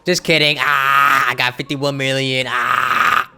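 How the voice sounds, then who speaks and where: A man's voice: mid-range voice, little pitch movement, takes it slowly, music in the background. A man casually streaming a video game live, reacting aloud as he plays.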